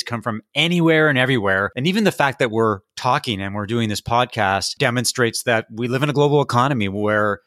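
A man's voice: mid-range voice, sharp tone, no echo, clean studio sound. A man hosting a podcast, speaking in a conversational interviewing style.

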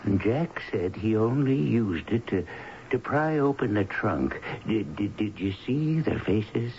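A man playing a worried, brooding older father in a radio drama, speaking haltingly. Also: on the low side, lively intonation, darkish tone. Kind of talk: 1970s radio drama acting. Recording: muffled, lightly hissy 1970s radio recording.

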